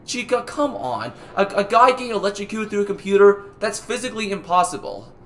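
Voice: mid-range voice, fairly quick, fairly bright tone, lightly acted. A performer voicing a skeptical, exasperated male animatronic rabbit who talks in a dismissive, reassuring way in an amateur cartoon skit.

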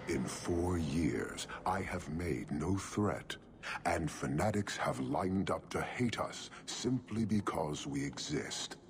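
An actor playing a stern, solemn horned warlord in a video game, speaking in a slow, measured, formal way. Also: male voice, very deep voice, gravelly, a little hiss or hum, exaggerated voice.

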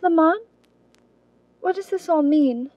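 A woman's voice: very high-pitched, takes it slowly, darkish tone, no echo, lo-fi sound. A woman playing an inquisitive society sweetheart who frets over her hero, in a 1930s-style radio drama. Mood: concerned, pleading.

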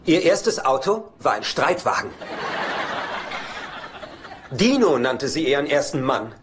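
An actor playing a sarcastic, wisecracking brother in a dubbed sitcom, glib and mocking. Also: male voice, mid-range voice, big pitch swings, slow. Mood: mocking, amused. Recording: noisy sitcom soundtrack with studio audience laughter.

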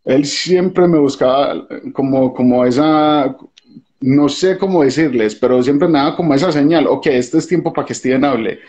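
A man's voice: mid-range voice, moderate pace, a little mellow. A young man from Colombia with a Colombian accent, a guest talking earnestly and thoughtfully about his time on a TV show, dropping English fillers into his speech. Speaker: guest, former TV show contestant. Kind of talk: casual video call interview. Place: dim room indoors. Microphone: phone video call. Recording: lo-fi video call audio.

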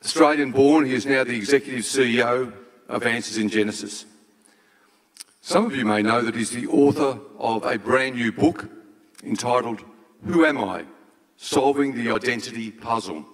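A man in his sixties hosting an event from a stage, speaking formally in a measured, solemn way. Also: medium pitch. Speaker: event host. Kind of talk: formal stage introduction and prayer. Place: large auditorium stage. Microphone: handheld microphone. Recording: hall reverb from stage PA.

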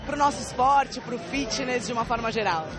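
A woman's voice: a little high, normal speed. A young woman reporting from a busy indoor sports fair, bubbly and full of compliments, holding a handheld mic. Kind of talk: on-the-spot fair interview. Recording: noisy expo hall with music and crowd. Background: crowd and music.

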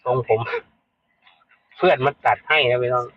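A man's voice: medium pitch, normal speed, lo-fi sound. Blunt chatty Thai man livestreaming. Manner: blunt, chatty, addresses viewers as brothers and sisters. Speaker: livestream host. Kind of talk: casual live-stream chat. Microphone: streaming setup.

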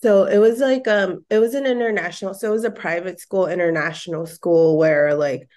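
A woman in her thirties with an American accent, speaking in a lowish voice. She chats loosely as a podcast guest, full of "like" and easy laughter, over an earphone mic from her living room. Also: a little fast, a little mellow. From Okinawa, Japan, and the Philippines. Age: 30s. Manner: chatty, laughs often, many "like" fillers. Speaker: podcast guest, bikini bodybuilder and personal trainer. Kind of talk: casual interview chat. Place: home living room, indoors. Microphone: earphone mic on a video call.

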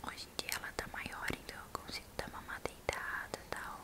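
A young woman with a São Paulo Brazilian accent speaks in an intimate ASMR whisper, casually answering viewers' questions close to the microphone in a small room. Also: brisk. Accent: Brazilian, São Paulo state. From São Paulo state, Brazil. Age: young adult. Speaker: ASMR video creator and host. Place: small bedroom indoors. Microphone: large microphone right at the mouth.

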